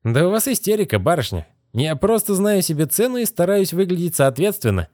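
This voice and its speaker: A man's voice: high voice, very animated, fairly quick, darkish tone, no room sound, voice pushed up. Man voicing a vain young magician, sneering, condescending, raised voice, dry close sound. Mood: haughty. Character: smug young male magician, cold and vain. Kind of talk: audiobook character reading.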